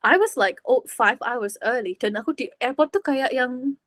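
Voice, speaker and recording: A woman's voice: sits high, moderate pace, fairly bright tone, no echo. A young woman hosting a podcast, talking through personal stories in a casual, reflective way, slipping English phrases in and laughing often. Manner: mixes English phrases freely, laughs often, acts out voices. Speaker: podcast host.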